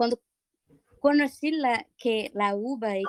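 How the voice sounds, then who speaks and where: Here a woman speaks with a Brazilian accent and ordinary pitch variation. The sound is dry and close, with no echo. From Brazil, Rio de Janeiro. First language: Portuguese (speaking Spanish). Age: 30s. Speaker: medical student. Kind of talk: interview.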